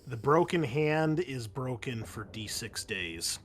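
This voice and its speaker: A man's voice: mid-range voice, lively intonation, slow pace, a bit bright, slight background noise. A man running a tabletop roleplaying game as game master, explaining things patiently and a little hesitantly in casual talk. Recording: music under the voice. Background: background music.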